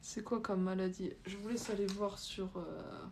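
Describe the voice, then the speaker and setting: A young woman from France hosts a casual livestream, speaking at normal speed with a steady, darkish, medium-pitched voice. She reads comments out loud and answers bluntly in hesitant, loose wording, with slight background noise behind her.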